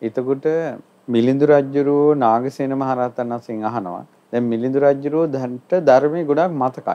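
With a dark, mellow tone and a medium pitch, a man speaks at a very slow pace with fairly even intonation. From Sri Lanka. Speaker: Buddhist monk; Buddhist monk teacher. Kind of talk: dharma discussion. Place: studio. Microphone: lapel.

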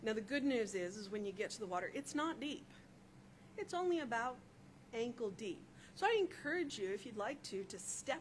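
Somewhat breathy and gentle, the voice has a soothing tone and lively intonation over light background noise. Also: woman. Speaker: minister leading a meditation. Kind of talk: guided meditation. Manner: slow, soothing, calm; gentle, inviting. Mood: calm, soothing. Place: church. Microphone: podium.

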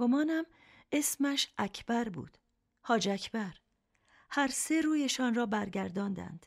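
Recorded very cleanly with a silent background, a woman speaks at a fairly high pitch. Her intonation is lively and her pace fairly slow. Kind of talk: audiobook novel reading. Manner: intimate.

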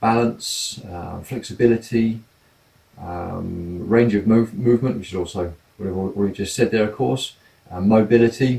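A man's unremarkable speaking voice at a fairly slow pace, with ordinary pitch variation. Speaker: tai chi instructor. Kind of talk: live-stream class intro. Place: home room. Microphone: camera far.

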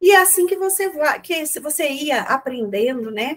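A woman speaks at a fairly slow pace with very wide pitch swings. The background is quiet. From Belo Horizonte, Minas Gerais, Brazil. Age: 50s. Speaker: dancer and choreographer; interview guest. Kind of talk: interview. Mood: warm, animated, smiling. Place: home room.

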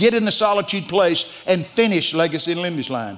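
A man's voice with lively intonation. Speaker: guest preacher. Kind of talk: sermon. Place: church. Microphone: headset.

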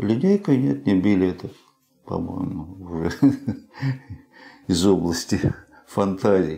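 Very slowly and with long, frequent pauses, a man speaks in a very deep, low voice with ordinary pitch variation. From Russia. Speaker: retired teacher and beekeeper. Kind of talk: casual interview answers telling childhood stories. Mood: warm, reminiscing, relaxed. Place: home room. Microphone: lapel.

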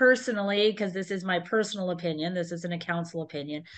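Over a quiet background, a woman with a Canadian accent speaks in a bright, sharp tone with ordinary pitch variation. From Alberta, Canada. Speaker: town councillor. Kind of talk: interview. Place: office. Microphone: video call.

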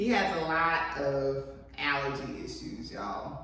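A woman's fairly even intonation amid strong room echo and light background noise. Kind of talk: casual vlog chat. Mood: cheerful, laughing. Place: shop. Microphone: camera far.

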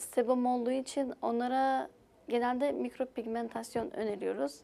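Ordinary pitch movement in a woman's high voice, delivered fairly slowly. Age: 20s. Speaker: permanent makeup artist; guest. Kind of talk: interview. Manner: halting, many fillers. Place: studio.

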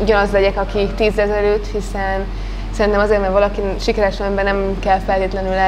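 Over noticeable background noise, a woman speaks very fast in a flat monotone. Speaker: interviewee. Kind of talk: interview answer. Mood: warm, reflective. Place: cafe. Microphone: lapel.

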